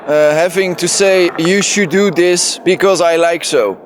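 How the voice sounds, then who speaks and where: A man's voice: high-pitched, measured pace, slight background noise. A young man from the Netherlands, talking casually and candidly with hesitations. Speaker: interviewee. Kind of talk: conference vox-pop interview.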